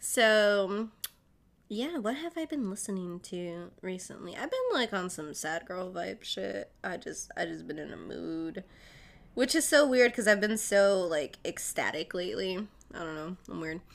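A woman speaks at a fairly slow pace with lively intonation. The recording is very clean, with a silent background. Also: medium pitch for a woman. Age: 20s. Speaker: pop culture podcast host. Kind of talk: casual solo podcast chat. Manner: animated.

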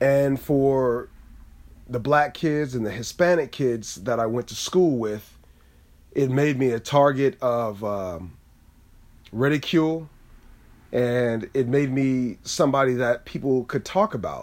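Speech moves at a fairly slow pace with long, frequent pauses. Pitch variation is ordinary. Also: man, medium pitch for a man. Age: 30s. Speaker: motivational podcast host. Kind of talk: motivational monologue.

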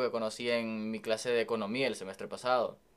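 The speaker is a man with a Salvadoran accent. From El Salvador. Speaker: engineering student. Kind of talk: casual chat.

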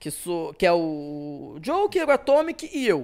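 This man's voice is extremely high in pitch and animated in tone, with very wide pitch swings. The recording is very clean with a silent background. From Rio de Janeiro state, Niterói. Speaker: esports commentator. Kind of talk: casual chat.

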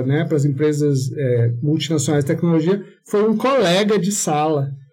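A man with a fairly high pitch speaks in a dark, mellow tone. Audible room echo surrounds his voice. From Goiás, Brazil (Goiânia). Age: 50s. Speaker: sales director, former tech account manager. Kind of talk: casual interview chat.

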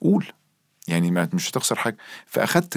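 His pitch swings very widely in this male voice. He keeps a fairly quick pace. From Egypt (Cairo, family of Levantine descent). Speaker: church youth minister and social media speaker. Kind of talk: casual chat. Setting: studio.

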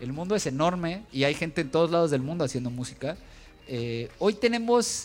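His voice is high-pitched, with lively intonation. The man speaks in an animated tone. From Mexico City. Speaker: podcast host. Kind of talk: live music show hosting. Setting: venue with live audience.

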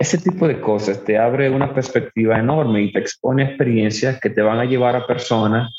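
A man talks at a moderate pace and a medium pitch. He has an unremarkable speaking voice, and his pitch varies in an ordinary way. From Dominican Republic, La Romana. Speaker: physician and gym owner. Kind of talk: casual interview.

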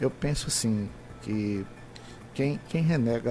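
At a fairly slow pace, a man speaks amid audible room echo and noticeable background noise. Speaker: singer-songwriter. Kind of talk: radio interview. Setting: studio.

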